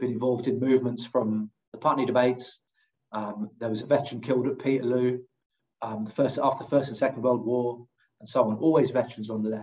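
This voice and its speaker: In a northern English accent, a man talks at a very fast pace and medium pitch. His tone is dark and mellow, with fairly even intonation. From northern England, rural North Yorkshire. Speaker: defence journalist and former soldier. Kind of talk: interview conversation.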